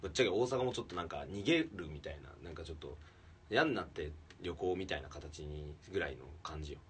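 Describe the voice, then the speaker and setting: Male comedian podcast host with a deep, lively voice, animated storytelling with acted-out quotes. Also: fast, distant mic, slight background noise. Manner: animated, acts out quotes, swings from loud outbursts to hushed asides. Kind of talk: casual storytelling chat.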